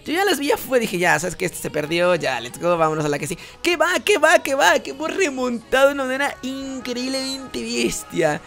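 A young man commentates his gameplay with a very high, lively voice that rises and falls constantly. He is excitable and fires off repeated words in quick bursts. Faint game music plays beneath him. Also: vocal fry. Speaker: gaming YouTuber. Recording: music playing underneath.

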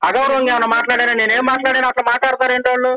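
A man's voice: very high-pitched, level tone, rapid-fire. A man calling to argue about a debate challenge, talking over the other side and repeating his points insistently. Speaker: caller in a religious debate challenge. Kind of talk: heated phone argument. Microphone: phone. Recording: tinny phone line.

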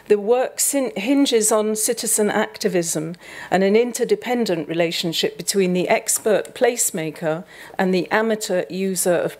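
Woman speaking at a podium, low voice. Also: a little mellow. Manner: measured, academic, with frequent ums and self-corrections. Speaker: conference speaker. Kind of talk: lecture talk at a podium. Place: auditorium stage. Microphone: podium microphone.

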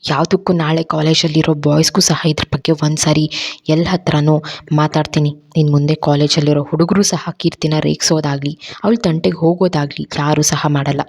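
A woman's voice: deep voice, level tone, fairly quick, a little mellow. A woman voicing a protective young man who talks in a firm, assuring way.

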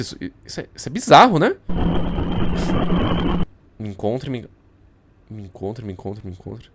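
A young Brazilian man, a YouTuber reacting to horror videos, gives slangy, joking commentary from an indoor streaming room. He speaks into a close desk microphone on an arm, his mid-range voice a bit bright.

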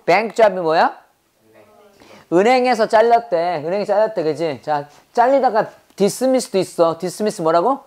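Woman teacher, Korean accent, rapid quiz questions, slow drilled English phrases. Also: medium pitch, expressive, a little mellow. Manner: quizzing students with rapid rhetorical questions. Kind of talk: classroom grammar lecture.

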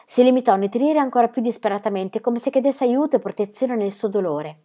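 A woman reading a children's story aloud, measured and expressive, with hushed, sad passages. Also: on the high side. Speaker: narrator.

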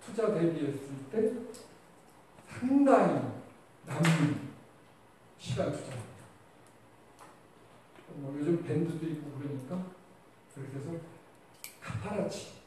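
A man's voice: a little high, lively intonation, slow pace, long pauses, dark tone. A male teacher giving a conversational lecture to other teachers and putting questions to a live audience. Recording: echoey hall, distant mic, faint noise.

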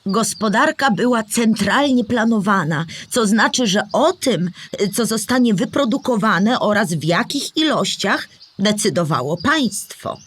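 A woman playing a knowledgeable storyteller character, narrating history in a measured, explanatory way with a husky voice. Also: mid-range voice, lively intonation, no room sound. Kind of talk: scripted educational narration.

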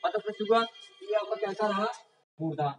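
High-voiced male teacher, distant mic. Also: moderate pace, a little hiss or hum. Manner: asks the class questions and answers them himself, often repeating "confirmed?". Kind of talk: classroom lecture for exam prep.

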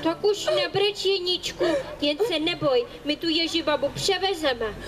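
Woman playing a very high-voiced little girl. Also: a bit bright. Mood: reassuring. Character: little girl, brave and cunning, reassuring her brother. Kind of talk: puppet theatre fairy-tale acting. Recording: very echoey, music behind.

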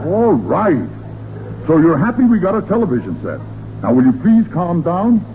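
A man's voice: high voice, very animated, normal speed. An American actor playing a flustered, easily exasperated middle-aged father in 1940s radio comedy, sputtering and repeating himself. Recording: muffled, noisy 1940s radio recording.

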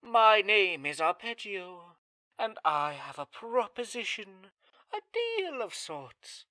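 A woman's voice: medium pitch, very animated, takes it slowly, pushed and bright, dry recording, exaggerated voice, poor audio. A woman voicing a scheming, genteel male villain bird with a pompous, silky manner in a cartoon fan dub. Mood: smooth, persuasive. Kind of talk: fan-dub comic acting.

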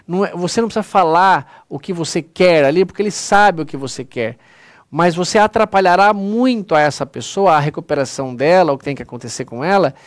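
A man's voice: high-pitched, no room sound, clean studio sound. A man with a Brazilian accent giving an earnest, conversational spiritist lecture online, often calling his audience "pessoal". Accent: Brazilian Portuguese.

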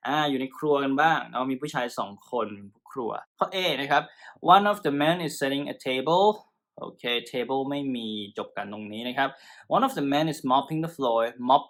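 A man working as an English exam tutor, explaining test answers politely and reading the English answer options slowly and clearly before he explains them. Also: medium pitch, a bit bright. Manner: polite, ends sentences with frequent polite particles.

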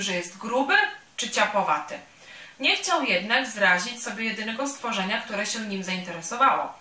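A woman reading a children's story aloud at a cultural centre workshop in a calm, gentle, unhurried way. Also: a little high. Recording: roomy sound from a distant mic.

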